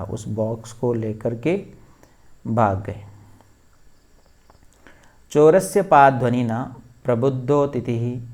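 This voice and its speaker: A man's voice: medium pitch, a little mellow. A man teaching a textbook lesson, reading and explaining each line word by word.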